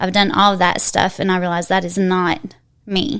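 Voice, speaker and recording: A woman with a Southern Appalachian accent speaks at a moderate pace in a medium pitch with fairly even intonation, on a very clean recording with a silent background. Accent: Southern Appalachian twang. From Eastern Kentucky. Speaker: actor and life coach. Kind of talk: interview answer.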